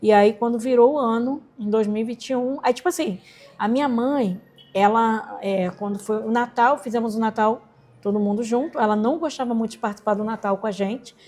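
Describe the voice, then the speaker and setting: This animated woman from Rocinha, Rio de Janeiro, Brazil, speaks a little fast in a fairly high-pitched voice. She's an entrepreneur and singer being interviewed, telling an emotional personal story and performing the voices of people she quotes.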